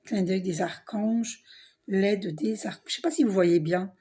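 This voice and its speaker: Reading a card box aloud in her casual spiritual vlog, a hoarse middle-aged woman speaks unhurriedly in a husky, medium-pitched voice. She coughs and clears her throat often, hesitates, restarts, trails off, and slips in soft asides.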